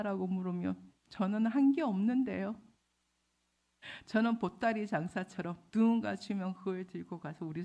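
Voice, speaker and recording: A middle-aged woman missionary giving an emotional testimony sermon, acting out the voices she quotes. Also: mid-range voice. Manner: emotional storytelling, acts out quoted voices loudly. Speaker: missionary preacher.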